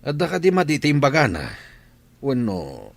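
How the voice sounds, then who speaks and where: A man's voice: mid-range voice, wildly swooping pitch, moderate pace, gravelly, dry recording, exaggerated voice. A man voicing a father-in-law in an audio drama, reasoning and consoling. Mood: counselling. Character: older man, the father-in-law, advising calmly.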